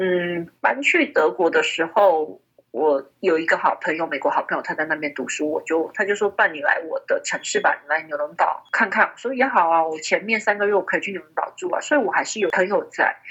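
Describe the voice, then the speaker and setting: A woman with an unremarkable speaking voice talks at a medium pitch and a fairly quick pace. Her intonation is lively, with hardly any pauses. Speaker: hotel worker. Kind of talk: casual interview chat.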